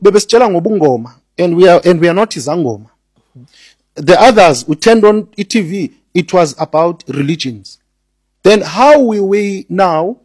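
On the radio as a studio guest, a man with a high, husky, somewhat dark voice teaches earnestly, repeating words as he builds each point and weaving in Zulu phrases. The audio is close and dry, with no echo.

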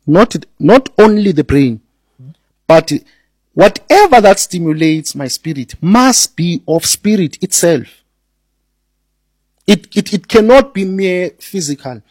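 A man's voice: high-pitched, sing-song, takes it slowly, long pauses, darkish tone, slightly rough, no room sound. A man speaking as a radio guest, teaching earnestly about spirit and religion, often repeating words as he builds a point and slipping into Zulu.

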